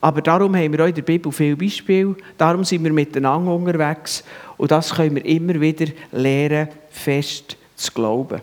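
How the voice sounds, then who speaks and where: A man talks at a moderate pace with a warm tone and a fairly high pitch. His intonation stays fairly even over noticeable background noise. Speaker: preacher. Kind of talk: sermon at a confirmation-class graduation, addressing a young man directly. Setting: church. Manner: earnest, warm, encouraging, conversational with light humor; fairly even, didactic pace, explaining biblical images and repeating key points.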